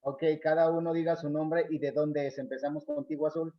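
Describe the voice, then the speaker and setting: Mexican man, class host on a video call, slightly high voice, halting with fillers, muffled audio. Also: little pitch movement. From Mexico City. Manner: hesitant, many fillers. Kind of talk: bilingual class chat.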